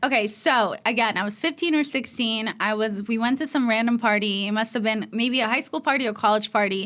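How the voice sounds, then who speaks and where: A woman talks at a fairly quick pace with hardly any pauses, using a fairly high pitch, ordinary pitch variation, and a bright, sharp tone. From Russia. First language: Russian. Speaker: social media personality. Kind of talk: casual chat.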